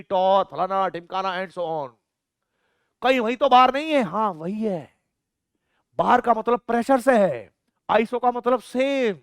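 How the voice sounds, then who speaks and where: Man, physics teacher, high voice, dry close sound, playful rhetorical questions, slow word-by-word dictation. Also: smooth, no echo. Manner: playful, asks rhetorical questions and answers them himself; slowly dictates definitions word by word. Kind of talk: exam-prep lecture.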